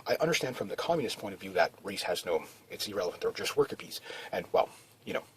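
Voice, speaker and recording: A man's voice: low voice, sing-song, fast talker, a little hiss or hum. A man talking in a rambling, casual monologue, full of restarts and fillers. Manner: meandering, many restarts and "you know" fillers. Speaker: video blogger.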